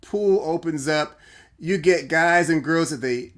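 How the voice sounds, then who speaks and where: A man's voice: on the high side, unhurried, fairly bright tone. A man hosting a casual livestream debate, rambling playfully and laughing often as he questions his guest over a video call. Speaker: host.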